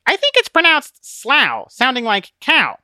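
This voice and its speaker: A man voicing a fussy, excitable male conscience, high-strung and pedantic, in an audiobook story. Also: moderate pace, no echo, clean studio sound, heavily acted. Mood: pedantic arguing.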